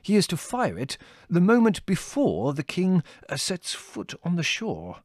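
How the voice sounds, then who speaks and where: A man voicing a gentle, scholarly older man who speaks haltingly, full of ums and uhs. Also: high-pitched, wildly swooping pitch, no room sound, clean studio sound, voice pushed up, heavily acted. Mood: hesitant.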